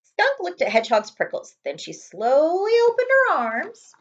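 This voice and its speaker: Animated high-voiced woman reading to children. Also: moderate pace, highs cut off. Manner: expressive, speaks directly to young children. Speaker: read-aloud host, librarian. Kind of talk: children's storybook read-aloud with friendly asides.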